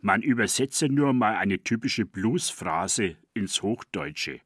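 Older man in his 70s, dialect poet, reads a scripted essay in a low voice with a dry, close sound. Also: lively intonation, fairly bright tone, no room sound. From Franconia, Germany. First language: East Franconian dialect. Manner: measured, deliberate reading. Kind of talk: scripted personal radio essay.

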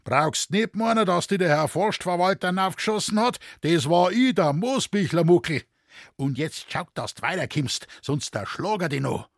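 A man voicing a loud, loyal old forest warden who speaks in rough dialect. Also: medium pitch, lively intonation, normal speed, few pauses, dry recording, studio quality. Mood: gruff.

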